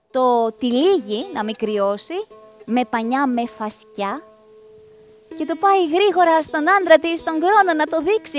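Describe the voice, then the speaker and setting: A woman performing a myth as a live storyteller, dramatic and speaking straight to her audience. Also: high voice. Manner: dramatic, addresses the audience directly. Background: live plucked string music.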